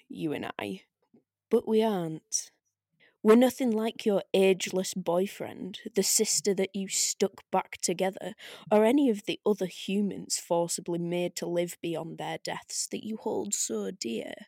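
A taunting, otherworldly spirit acted by a woman in an audio drama read. The delivery is unhurried, sardonic and provoking, savouring each phrase. The sound is close and dry, with very little room. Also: medium pitch, vocal fry, mellow, no echo. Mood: coolly persuasive. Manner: drawn-out, sardonic, needling. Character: taunting disembodied arcane spirit, silky and provoking.

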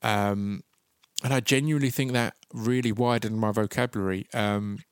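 This podcast host speaks at a moderate, smooth pace in a fairly low register with even intonation. He has a noticeable stutter that repeats the opening sounds of words. Studio-quality audio with no room sound carries his casual interviewing and reflective monologue.

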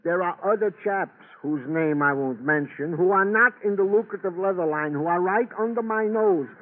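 A man's voice: high voice, normal speed, natural voice. An actor playing a chatty, wordy police officer briefing his lieutenant in a 1950s radio drama. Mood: wry. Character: chatty, wry police desk sergeant. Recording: tinny old radio broadcast.

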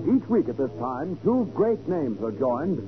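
A man's voice: fairly high pitch, very animated, unhurried. An American man announcing a 1940s radio show in an emphatic, declamatory style. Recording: dull vintage radio recording with loud music.

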